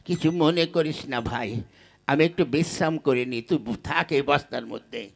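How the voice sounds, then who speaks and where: A man's voice: on the high side, moderate pace, vocal fry. A man voicing a sly, boastful young village rogue who talks in a wheedling, colloquial way in a comic puppet play. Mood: smug, scheming.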